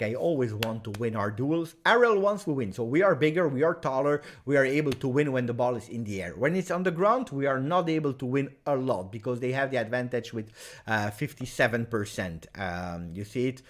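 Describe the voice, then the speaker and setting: A man hosting a live match reaction, chatty and partisan, bursting into excited shouts at big chances. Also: mid-range voice. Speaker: fan channel match reaction host.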